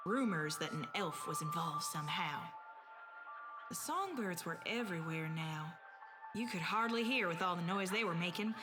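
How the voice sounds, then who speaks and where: A woman's voice: fairly low pitch, animated, moderate pace, over music, natural voice. An actress playing a spirited, stubborn young village girl in an audio drama, plain-spoken, with rustic turns of phrase. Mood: somber recollection.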